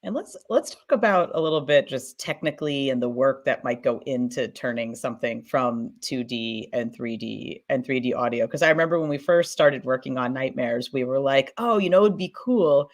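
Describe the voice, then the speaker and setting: A woman's voice: rumbling low, moderate pace, few pauses. Woman casually moderating, loose and rambling. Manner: loose, rambling questions with frequent "like". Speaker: panel moderator, podcast producer.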